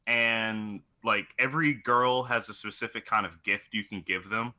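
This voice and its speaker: A man's voice: on the low side, normal speed, pushed and bright. A man chatting casually as co-host of a video game show, swearing freely as he goes. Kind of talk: casual chat.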